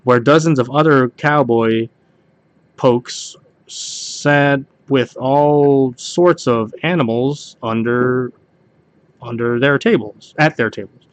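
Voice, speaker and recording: Man, mid-pitched voice, casual joke reading, homemade delivery, stumbles and rereads. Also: takes it slowly, clean tone. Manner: stumbles over the text and rereads lines. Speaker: joke reader hosting a home video. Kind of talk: casual reading aloud of party jokes.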